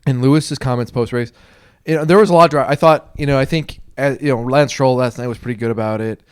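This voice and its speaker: A man co-hosts a casual podcast and talks quickly at a middle pitch. He lays out his opinions with emphasis, stacking point after point. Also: clean tone. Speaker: podcast co-host. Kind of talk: casual conversation.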